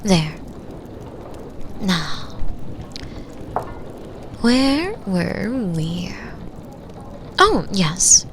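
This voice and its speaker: A woman playing a flirtatious, confident mature bar patron in an intimate roleplay, teasing and breathy, often dropping toward a whisper. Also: fairly low pitch, very animated, background noise, full character voice. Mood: teasing, coy. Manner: slow, sultry, breathy, drops into near-whispers. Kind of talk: binaural roleplay audio drama, intimate second-person acting.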